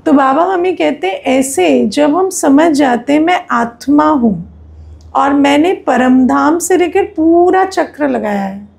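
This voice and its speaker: A woman with an Indian accent teaches in a spiritual discourse style. Her voice is high and soft-toned, with a mellow edge, and she takes her time over each phrase. She explains conversationally, posing questions and checking that listeners follow. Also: takes it slowly, creaky. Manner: didactic, conversational, often asks rhetorical questions and checks understanding.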